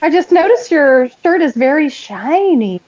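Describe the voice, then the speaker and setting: A woman with a slightly high voice banters casually as a livestream co-host. Her delivery is sardonic and sweary, with plenty of exaggeration. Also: sing-song, a little slow, a little mellow, dull audio.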